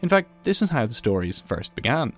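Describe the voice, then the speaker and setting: A man hosting a podcast, reading scripted documentary narration in a measured storytelling way. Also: medium pitch, very animated, faint music behind.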